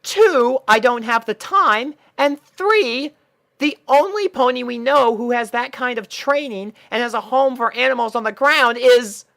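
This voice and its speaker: A man's voice: extremely high pitch, a little slow, creaky, sharp tone, pitched above the performer's own voice, full character voice. A man voicing a fretful, bookish young female cartoon pony, earnest, fussy and easily exasperated.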